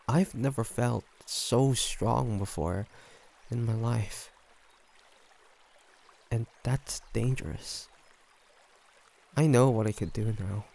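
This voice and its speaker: A man voicing a brooding, gentle ancient vampire in an intimate audio roleplay, speaking haltingly and pensively. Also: on the low side, creaky. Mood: fearful, resigned. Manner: halting, soft-spoken, pensive with sighs.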